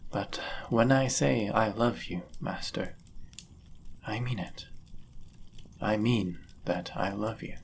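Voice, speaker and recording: A man playing a powerful, devoted demon bound to a sorcerer in an intimate audio roleplay, speaking formally and deliberately with a gravelly voice. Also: lowish voice, a little hiss or hum. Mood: earnest, devoted. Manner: formal, old-fashioned wording, deliberate.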